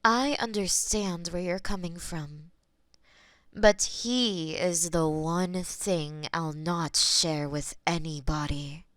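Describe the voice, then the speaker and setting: A possessive demon mistress. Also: female voice, lowish voice, dry recording. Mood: firm. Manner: slow, intimate, possessive, softly spoken. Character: possessive centuries-old female demon mistress. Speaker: voice actor in audio roleplay. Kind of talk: scripted audio roleplay.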